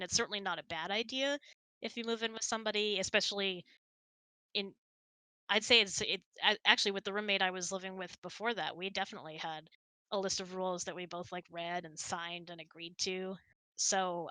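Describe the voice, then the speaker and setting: A woman with a bright, forward voice chats casually as a host. She is giggly and animated when telling stories, and the sound is close and dry. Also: mid-range voice, no echo. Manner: giggly, chatty, animated storytelling. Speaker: host of a couple's online hangout. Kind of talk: casual chat, answering questions and telling anecdotes.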